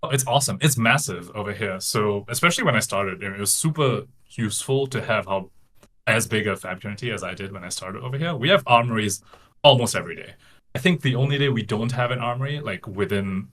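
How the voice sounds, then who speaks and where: A man's voice: on the low side, fast talker, a bit bright. A man in his late twenties from Singapore, chatting casually and loosely as an interview guest on a video call. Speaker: podcast guest, card game player. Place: small home room, indoors.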